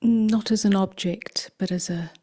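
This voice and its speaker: A woman meditation teacher leading a guided contemplation in a gentle, breathy, near-whispered voice, unhurried and with long pauses. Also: medium pitch, fairly even intonation.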